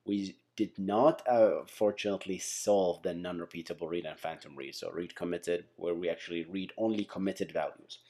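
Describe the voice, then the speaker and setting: Man, low mellow voice, casual tech teacher, rambling, repeats and corrects himself. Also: fairly even intonation, moderate pace, few pauses. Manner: informal, rambling, self-correcting, repeats words. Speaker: tech teacher and channel host. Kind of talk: casual whiteboard-style lesson, explaining by example.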